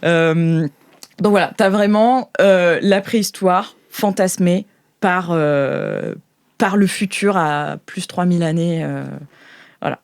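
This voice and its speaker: A woman's voice: on the low side, slow pace, a little mellow, smooth, no room sound. A woman improvising tabletop game narration as game master, informal and searching for words.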